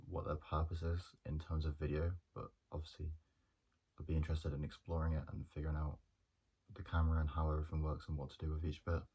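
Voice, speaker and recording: Very deep monotone young man. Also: breathy edge, lo-fi sound. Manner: hesitant, many ums and restarts. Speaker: journalism student. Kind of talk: casual reflective monologue.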